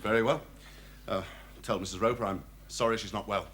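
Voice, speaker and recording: A man's voice: fairly low pitch, fairly even intonation, fairly quick, a bit bright, close to an everyday voice. A man playing a fussy, pompous suburban director. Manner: fussy, flustered. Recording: hissy old TV audio.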